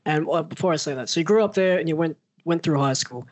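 A man's voice: on the high side, fast talker, dry recording. A man hosting a casual podcast interview, friendly, piling up several questions at once. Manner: friendly, asks stacked questions, says man and yeah a lot. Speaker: podcast host.

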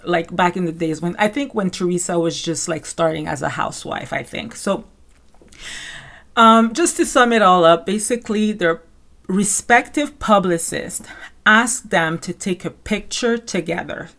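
A woman podcast host speaks in a fairly low voice with a Caribbean French accent. Her delivery is casual celebrity gossip commentary. She talks conversationally, addressing listeners directly and checking in with them as she goes. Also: normal speed, a bit bright.

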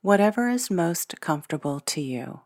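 A woman guiding a scripted meditation in a gentle, soothing, soft-spoken way, leaving long pauses between short phrases. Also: on the low side, expressive, no echo, clean studio sound. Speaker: meditation guide. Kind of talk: scripted guided meditation narration. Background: new-age music.

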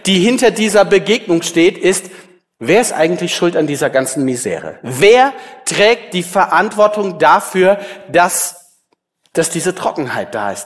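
A pastor man delivers a sermon in an unhurried, deliberate way, pausing for effect and asking the congregation rhetorical questions. His voice sits a little higher than usual for a man. A long church reverb trails after each phrase. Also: fairly bright tone. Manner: storytelling, dramatic pauses, rhetorical questions.

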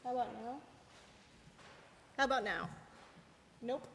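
High-voiced woman telling a church story. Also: a little slow, a little hiss or hum. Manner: animated storyteller. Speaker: worship leader telling a children's story. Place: church sanctuary. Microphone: amplified microphone. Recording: echoey hall.

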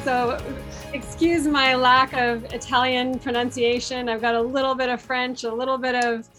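A woman's voice: sits high, little pitch movement, normal speed, a bit bright, soft background music. A woman hosting a podcast interview, introducing her guest with friendly, self-deprecating asides. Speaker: podcast host, performance coach.

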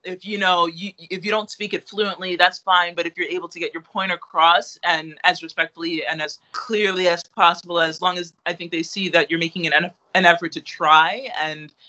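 A man's voice: high voice, steady tone, normal speed, hardly any pauses, sharp tone, rough recording. A young man chatting in an interview, rambling with many fillers and restarts. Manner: rambling, lots of fillers and restarts, laughs easily. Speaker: interviewee, artist. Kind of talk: casual interview chat.

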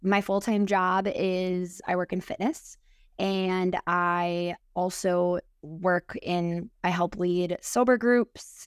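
Podcast guest, woman, early 30s. American Midwest accent, smooth clear voice, earnest conversational delivery, dry close sound. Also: fairly low pitch, dry recording. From Minnesota, United States. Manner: earnest, filler-heavy with frequent "like". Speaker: podcast guest, sober group leader. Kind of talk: casual personal reflection in conversation.

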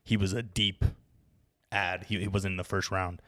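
A man's voice: low-pitched, flat delivery, moderate pace, a bit bright. A man hosting a sports podcast with casual, joking, irreverent banter. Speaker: podcast host.

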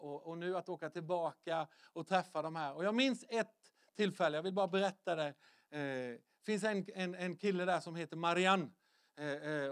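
Soft-spoken middle-aged preacher, man. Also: a little high. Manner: conversational, repetitive restarts, drops to soft near-whisper for emphasis. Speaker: pastor. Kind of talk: sermon.

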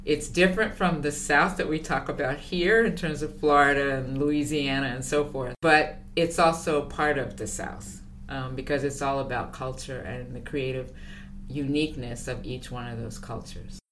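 An older woman speaking as an interview guest, answering in a thoughtful, measured way with fillers and pauses. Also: extremely low pitch, steady tone, fairly bright tone, a little hiss or hum. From born in Liberia, raised abroad. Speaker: guest, consultant.

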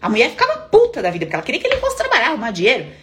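A Brazilian woman therapist talking on a live stream. She answers viewers in a lively way, acts out little dialogues and asks frequent rhetorical questions. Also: a little high, rapid-fire, slight background noise. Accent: Brazilian Portuguese.

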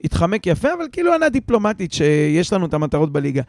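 A man's voice: a little high, sing-song, a little mellow, no room sound, studio quality. A man on a podcast panel in casual football fan banter, joking and retelling what others said.

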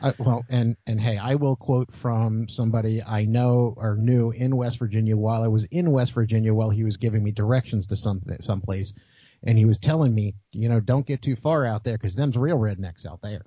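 A man with an American accent chatting casually in a halting, wry way. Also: on the low side, fairly even intonation, dark tone, no room sound, muffled recording. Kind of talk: casual chat.

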